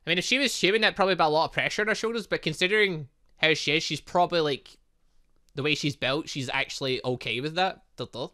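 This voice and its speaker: A man's voice: fairly high pitch, fast talker, sharp tone. A man commentating a game he is playing, rambling and cutting himself off with chuckling asides. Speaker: gaming streamer. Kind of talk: let's-play commentary.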